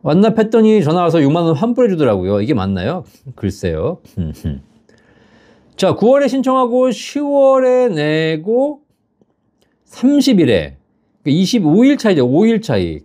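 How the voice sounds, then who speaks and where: Lively, chatty man in his fifties. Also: high-pitched, moderate pace. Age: 50s. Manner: chatty, laughs at his own stories, asks "right?" often. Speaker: pension advice host. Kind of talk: live-stream Q&A reading viewer comments.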